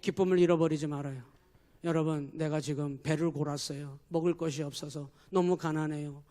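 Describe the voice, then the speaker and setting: A man's voice: on the high side, fairly even intonation, brisk, mellow. A man preaching a sermon as pastor, emphatic and forever addressing the congregation. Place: church.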